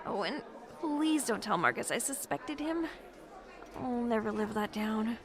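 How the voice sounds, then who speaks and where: Woman acting an anxious young woman, higher-pitched voice. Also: lively intonation, a little slow, crowd noise. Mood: sheepish. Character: anxious, self-doubting young woman confiding in a friend. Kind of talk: audio drama acting.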